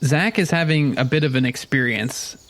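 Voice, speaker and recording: A man improvising descriptions of his character as a player in a tabletop game, speaking casually and haltingly. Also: medium pitch, fairly bright tone, a little hiss or hum.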